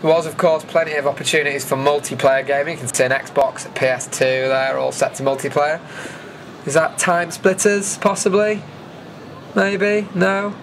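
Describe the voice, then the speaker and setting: A man's voice: a little high, flat delivery, normal speed, a little hiss or hum. A man giving a casual, dryly jokey voice-over commentary as the host of an event video.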